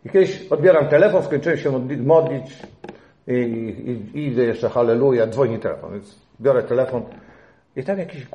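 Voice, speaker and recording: A middle-aged male pastor preaching a sermon, swinging between emphatic peaks and quiet asides. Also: mid-range voice, moderate pace, reverberant, muffled recording.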